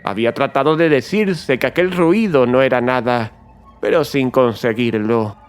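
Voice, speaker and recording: An actor playing a mad, gloating murderer who confesses in a theatrical horror audiobook, swinging between hushed and agitated delivery. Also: male voice, medium pitch, moderate pace, smooth, soft background music, close to an everyday voice. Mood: gloating, brooding. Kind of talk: dramatic horror audiobook narration.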